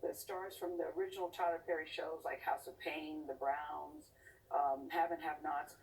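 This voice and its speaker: A woman's voice: sits low, steady tone, normal speed, a little mellow. Woman TV interviewer, chatty and polished. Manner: conversational, mixes scripted report lines with chatty questions. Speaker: TV interviewer and correspondent. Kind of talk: broadcast interview and report. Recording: distant mic with faint ambient noise.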